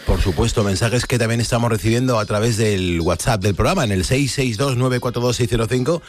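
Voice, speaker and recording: A man's voice: mid-range voice, fairly quick, soft background music. A man from Spain hosting a radio show, upbeat and enthusiastic in his banter. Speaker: radio host and DJ.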